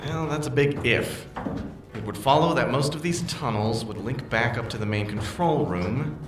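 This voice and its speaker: A man's voice: medium pitch, normal speed, recorded from a distance, lightly acted. A man voicing a level-headed engineer who explains plans step by step in an audio drama. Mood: weary. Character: calm, practical male engineer on a station. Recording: echoey room, off-mic, music behind.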